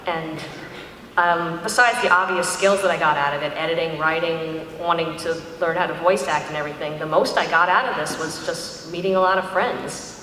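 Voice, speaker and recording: A woman panelist reflecting casually and sincerely, with a halting, earnest delivery. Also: low-pitched, steady tone, sharp tone. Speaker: panelist, parody creator. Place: large convention panel room, amplified. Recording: echoey hall, far from mic, noisy.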